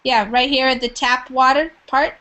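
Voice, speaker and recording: Lady teacher on a video call, kinda high voice, keeps asking her students stuff. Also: flat delivery, normal speed, pushed and bright, dull audio. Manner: encouraging, asks many questions. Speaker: English teacher. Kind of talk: online group class.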